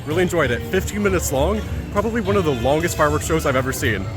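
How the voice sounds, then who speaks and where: A man narrates his own amusement park outing in short, cheerful fragments, talking into a handheld camera outdoors. His voice sits a little high for a man. Loud park music plays behind him. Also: lively intonation, fast. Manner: short, upbeat, clipped remarks. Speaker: theme park vlogger. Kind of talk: casual vlog commentary.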